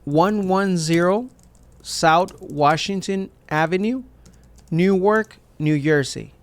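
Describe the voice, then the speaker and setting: A man voicing an applicant in an interview, answering each question briefly and carefully. His voice is smooth and clear and sits a bit high for a man. He speaks slowly and evenly. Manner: short, plain, careful answers. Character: male citizenship applicant answering an officer. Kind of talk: scripted practice dialogue.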